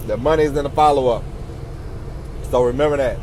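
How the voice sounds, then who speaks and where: A very fast-talking man amid noticeable background noise and audible room echo. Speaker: podcast host. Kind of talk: casual monologue. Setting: in a car.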